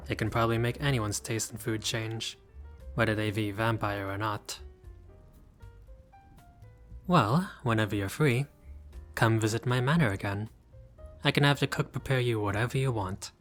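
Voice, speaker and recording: A man's voice: medium pitch, moderate pace, soft background music, natural voice. A man playing a haughty but friendly vampire lord in a roleplay audio, speaking in a formal, fussy, politely pompous way. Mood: gracious, refined. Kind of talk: scripted roleplay audio addressed to the listener.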